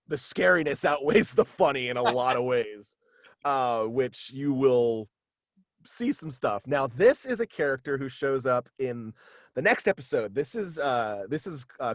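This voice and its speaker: A man's voice: mid-range voice, no room sound. Man, interview guest, casual chat, enthusiastic, hesitant, home video call, dry close sound. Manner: hesitant, enthusiastic, chuckles often. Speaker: guest, writer of a superhero radio play.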